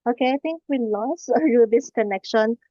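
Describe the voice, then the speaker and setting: A woman's voice: fairly high pitch, normal speed, dark tone. A woman hosting an online webinar in a polite, formal manner. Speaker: webinar host. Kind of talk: formal webinar introduction and chat. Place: indoors on an online video call. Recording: muffled, roomy online call audio.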